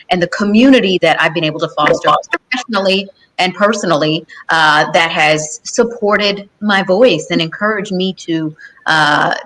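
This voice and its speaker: A woman's voice: low-pitched, pushed and bright, low-quality recording. A woman on a panel speaking candidly and reflectively. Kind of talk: panel discussion.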